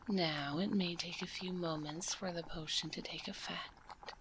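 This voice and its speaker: A woman voicing a gentle, caring witch healer in an ASMR roleplay, whispering softly and soothingly close to a binaural microphone. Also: lowish voice, fairly even intonation, noisy background, close to an everyday voice. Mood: soothing, attentive. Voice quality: soft, breathy whisper. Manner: soothing, unhurried, nurturing. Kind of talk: ASMR roleplay, addressing the listener.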